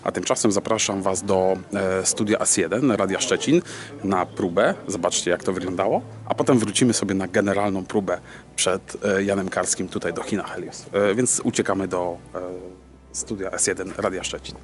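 A man in his thirties hosting a casual vlog to camera, haltingly searching for words. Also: deep voice, music in the background. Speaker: vlog host. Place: dim cinema auditorium. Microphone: camera at arm's length.

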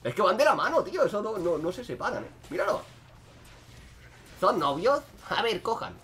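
Excitable young man gaming. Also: high voice, normal speed, slight background noise. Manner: excitable, joking, swings between loud outbursts and muttering. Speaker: gaming streamer. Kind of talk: casual gameplay commentary.

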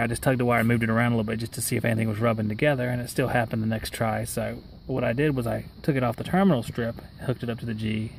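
A man's voice: mid-range voice, gravelly, poor audio. Young hvac guy explaining his work outside, plain middle voice, AC unit humming behind. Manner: matter-of-fact, explaining as he works. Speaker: HVAC technician. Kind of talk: on-the-job how-to narration. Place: outdoors beside a rooftop-style AC unit in a yard. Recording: outdoor camera audio with machine noise.

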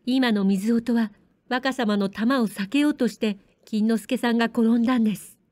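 A woman voicing a spirited young girl in a samurai-era story, speaking high and pleading. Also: moderate pace, a little mellow, no echo, natural voice. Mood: indignant.

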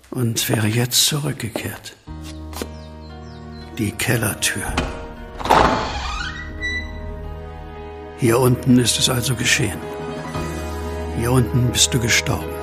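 An actor playing a troubled, grieving widower in a horror radio play, brooding and heavy-hearted. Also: male voice, mid-range voice, natural voice. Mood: hesitant, mournful. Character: troubled, grieving widower just released from asylum. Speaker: lead actor and first-person narrator. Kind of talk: German horror audio drama acting.

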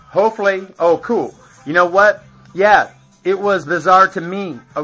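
Husky-voiced man ranting profanely. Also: high voice, sharp tone, highs cut off. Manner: profane, boastful, laughs between phrases. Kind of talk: rambling rant to camera.

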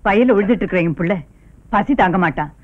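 A woman's voice: medium pitch, lively intonation, quick pace, natural voice. An actress playing a devoted old village mother who insists on bringing food to her son. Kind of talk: 1990s film drama acting. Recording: lo-fi film audio from afar with loud music.

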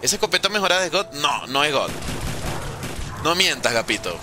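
A man's voice: fairly high pitch, sing-song, a little fast. A man in his thirties from Venezuela with a Venezuelan Spanish accent, chatting casually as a gaming streamer while reading chat and humming little sounds as he plays. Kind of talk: live gameplay commentary reading chat.

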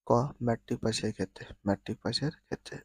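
A man's voice: fairly low pitch, mellow, husky, no echo. A man reading out multiple-choice questions and answers as a teacher, repeating each answer plainly. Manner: reads each answer twice, slowly and plainly.

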